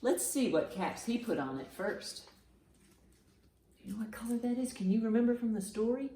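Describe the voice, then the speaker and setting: Animated woman reading a children's storytime. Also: a little high, moderate pace, a little hiss or hum. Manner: expressive, addresses young listeners with questions. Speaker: children's librarian and storytime host.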